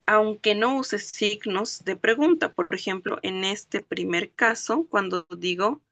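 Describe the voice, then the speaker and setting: Woman language teacher, bright tone, patient step-by-step explaining. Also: mid-range voice, no echo. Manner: explains slowly, checks understanding with "¿ok?" and "¿no ve?". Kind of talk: classroom lecture.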